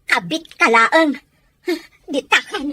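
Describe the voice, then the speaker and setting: A woman playing an anguished, sharp-tongued young wife in a radio drama, with a Filipino accent. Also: high voice, takes it slowly, background noise. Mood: bitter, scornful.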